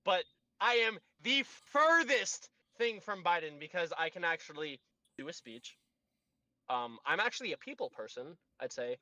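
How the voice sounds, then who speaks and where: Stammering playful man, bright dry voice. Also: on the high side, big pitch swings, normal speed, no echo, rough recording. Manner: stammering, filler-heavy, playful. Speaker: co-host. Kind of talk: casual live stream banter.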